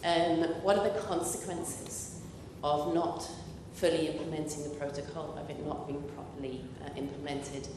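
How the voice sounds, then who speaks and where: Deep-voiced woman questioning from the floor, very roomy hall with rumble. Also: level tone. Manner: measured, frequent "um" fillers. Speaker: audience questioner. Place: lecture hall audience.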